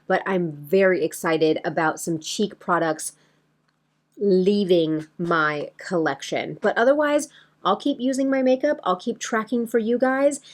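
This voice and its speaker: A woman's voice: medium pitch, a little slow. A woman talking casually to her viewers as a beauty vlogger, in a chatty, rambling way that addresses them directly. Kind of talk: casual chatty vlog to camera.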